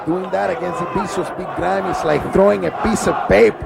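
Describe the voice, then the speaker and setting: Man, wrestling commentator, colorful catchphrases, bits of Spanish, loud crowd, very noisy arena recording. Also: high-pitched, fairly even intonation, fairly quick, creaky.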